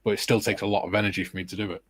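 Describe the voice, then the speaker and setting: A man in his forties, co-hosting a casual live stream, earnest and fairly monotone. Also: lowish voice, very fast, no echo. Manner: self-described monotone, earnest. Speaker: co-host.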